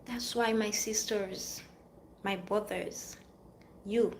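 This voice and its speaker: A woman's voice: mid-range voice, fairly even intonation, takes it slowly, very noisy. Earnest woman with a Haitian-French accent. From Haiti or France. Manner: earnest, preachy, repeats phrases for emphasis. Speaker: vlogger giving life advice. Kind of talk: motivational monologue.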